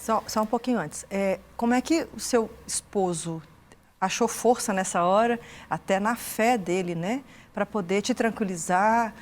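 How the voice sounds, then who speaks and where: A woman with a Brazilian Portuguese accent hosts a religious television interview. Her voice sits in a middle pitch, and she asks attentive, probing follow-up questions. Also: moderate pace. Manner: attentive, prompting with short affirmations. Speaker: TV interviewer, program host.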